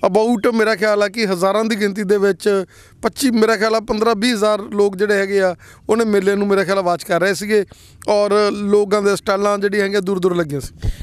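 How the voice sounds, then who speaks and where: A man's voice: high-pitched, little pitch movement, fairly quick, clear, resonant tone, no echo. A middle-aged man interviewing a farmer outdoors, asking polite, formal questions into a handheld mic. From Punjab, India. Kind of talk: on-camera interview. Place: outdoor dairy farm.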